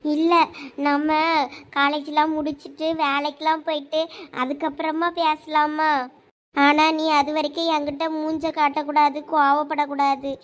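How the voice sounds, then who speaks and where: A woman's voice: sits high, little pitch movement, unhurried. A woman voicing a pleading young girlfriend. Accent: Thoothukudi Tamil. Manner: pleading, apologetic. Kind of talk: cartoon voice acting.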